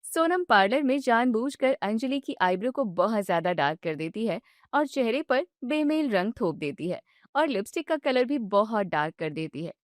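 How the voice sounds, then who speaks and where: A woman narrating a storybook with even storytelling. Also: fairly high pitch, normal speed, no echo, studio quality.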